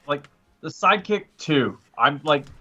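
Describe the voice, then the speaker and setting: A man playing a tabletop podcast game, chatting casually and thinking aloud in halting phrases, on a lo-fi recording. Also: fairly high pitch, lively intonation, bright, forceful tone, husky. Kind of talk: casual improvised role-play chat. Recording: slightly dull, lo-fi microphone sound.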